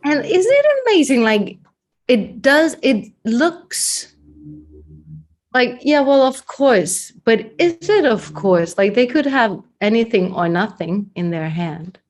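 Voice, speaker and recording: A woman with a Danish accent teaching body language in a chatty, unhurried workshop talk, with many fillers and restarts. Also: fairly high pitch, lively intonation. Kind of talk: live-streamed workshop talk.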